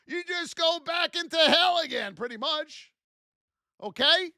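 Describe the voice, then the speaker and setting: A man coaching a livestream audience with blunt, gruff tough love, in punchy repeated phrases that push and encourage. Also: very high voice, animated, measured pace, bright, forceful tone, dry recording, studio quality. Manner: punchy repeated phrases, addresses listeners as folks. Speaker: trading coach and livestream host. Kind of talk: livestream coaching pep talk.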